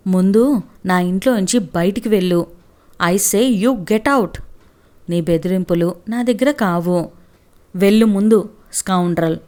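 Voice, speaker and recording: A woman voicing a defiant, hot-tempered young man who shouts dismissively in a storybook reading. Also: on the low side, measured pace, natural voice. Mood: furious.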